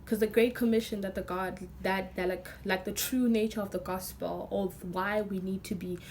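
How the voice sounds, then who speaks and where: Young woman, hoarse worn-out voice, mid pitch, rambling and excited, faint hiss. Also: moderate pace. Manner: gushing, rambling, many fillers and restarts. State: lost voice, hoarse. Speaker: vlogger. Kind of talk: excited casual church vlog.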